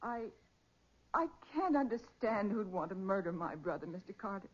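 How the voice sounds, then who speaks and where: An actress playing a bereaved sister, hesitant and plaintive, in the style of 1940s radio crime drama. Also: female voice, medium pitch, expressive, normal speed, husky. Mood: distressed. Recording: dull, muffled 1940s radio recording.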